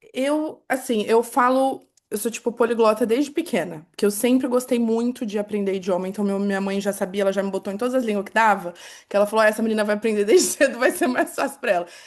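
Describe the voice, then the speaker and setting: Against a quiet background, a woman speaks very fast in a fairly high voice with ordinary pitch variation. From Brazil. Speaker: advertising creative, art director. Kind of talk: panel discussion. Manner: animated, casual.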